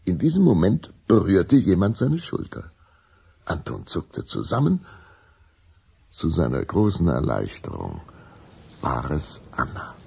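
A man narrating a children's radio play as a suspenseful, deliberate storyteller. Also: deep voice, wildly swooping pitch, vocal fry, warm tone, slightly rough.

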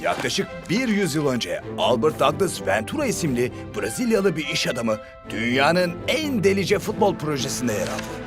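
A man's voice: on the high side, big pitch swings, moderate pace, few pauses. A man voicing an eager young footballer who loves adventure, in a dubbed cartoon, with a theatrical, swooping delivery. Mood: excited. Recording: music bed under voice.

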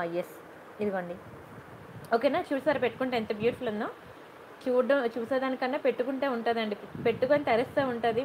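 Hosting a live jewellery sale, this seller speaks Telugu sprinkled with English words and phrases in a high, bright-toned voice. She's warm and talkative, calls viewers by name, and keeps asking "okay?" to check in. The audio is poor, with a faint background hiss.

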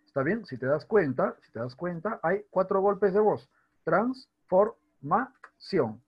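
Male teacher, husky, fairly high voice; recorded lesson, keeps asking if you're following; dull lo-fi sound. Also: animated. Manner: checks in often with rhetorical questions; spells out words slowly by syllable. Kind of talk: recorded online grammar lesson.

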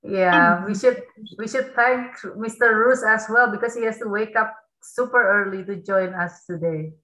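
A woman's voice: mid-range voice, moderate pace, bright, forceful tone, echoey room, poor audio. A woman, hosting a webinar for kids and explaining things in a friendly way. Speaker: workshop host. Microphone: video call.

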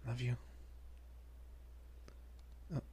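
Stammering and quiet, a man acts out a shy, nervous young vampire father in romantic audio roleplay, often slipping into an almost-whisper. He stretches his words out, sounding affectionate yet unsure.

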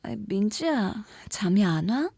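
An actress playing a frightened young woman who recounts a ghost story in an intimate, suspenseful audio drama style, conversational and at times hushed. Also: mid-range voice, sing-song, slow, husky, exaggerated voice. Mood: hushed, uneasy. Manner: conversational, suspenseful, drops toward hushed whispers. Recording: background music under the voice.

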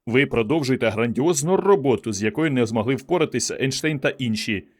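A man voicing an earnest, excitable young doctor who speaks with fervent conviction. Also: medium pitch, fairly quick, natural voice. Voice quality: fervent, emphatic.

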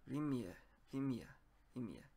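Man, English native speaker, very slow, halting, gravelly, faint hiss, keyboard clicks. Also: medium pitch, big pitch swings, dark tone. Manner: slow, halting, repeats words. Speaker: language learner. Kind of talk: halting spoken practice.

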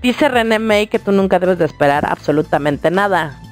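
A woman's voice: fairly low pitch, lively intonation, moderate pace, soft background music. A woman with a Mexican accent, hosting a radio show and chatting casually, telling a long personal story straight to her listeners. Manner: chatty, colloquial, addresses listeners directly.

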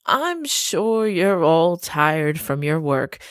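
An actress playing a gracious, slightly secretive woman host in an audio drama, speaking slowly and courteously. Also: low-pitched, sing-song, no room sound, studio quality, exaggerated voice.

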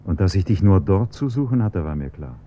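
An actor playing a smooth, insinuating man posing as a hired servant in a radio crime play. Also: sits low, big pitch swings, fairly quick. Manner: suave, insinuating, mock-polite. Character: smooth menacing servant blackmailer. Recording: dull lo-fi radio recording with faint hum.

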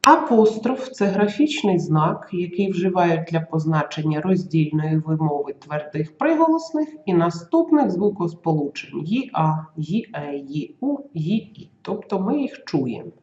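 A teacher giving a school grammar lesson, dictating slowly and carefully and sounding out letters and example words. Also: mid-range voice, sing-song, a little mellow, echoey room, muffled recording.

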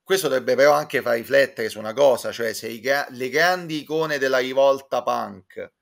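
A man with a creaky, fry-laden voice at a middling pitch. He talks like an opinionated intellectual guest in casual discussion, circling back to rephrase himself. He is speaking on a video call from a room at home. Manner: intellectual, discursive, halting with repeated self-corrections. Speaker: guest commentator. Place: small room with bookshelves, at home. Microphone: computer mic on a video call.

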